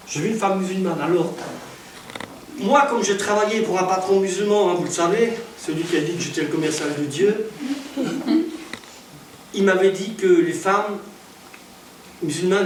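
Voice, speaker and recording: A man preaching as an evangelist, telling stories in a lively way, with loud bursts and acted-out dialogue. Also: high-pitched, moderate pace, pauses often. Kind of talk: storytelling sermon. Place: church. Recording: echoey church hall from far off, faint hiss.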